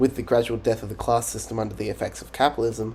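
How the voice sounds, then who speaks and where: A man talks at a very fast pace and medium pitch. His voice is breathy with vocal fry. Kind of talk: academic presentation read.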